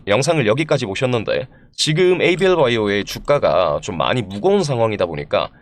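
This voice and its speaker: Male market commentator, mid-pitched with animated intonation, stuffed up with a cold, formal and courteous presenter delivery. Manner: polite, formal presenter address. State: congested from a throat and head cold. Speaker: stock analysis channel host. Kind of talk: explanatory stock market commentary to viewers.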